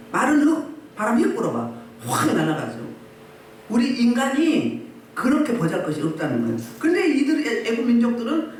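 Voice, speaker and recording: A woman's voice: on the high side, slight background noise. A woman pastor preaching a sermon, firing emphatic rhetorical questions at her congregation. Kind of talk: sermon at a healing service. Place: church hall. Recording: very echoey hall, mic at a distance.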